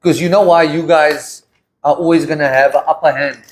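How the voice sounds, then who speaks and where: A man's voice: a little high, fairly even intonation, moderate pace. South african man teaching english. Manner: patient, checks in often with questions. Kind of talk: casual classroom talk. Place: classroom.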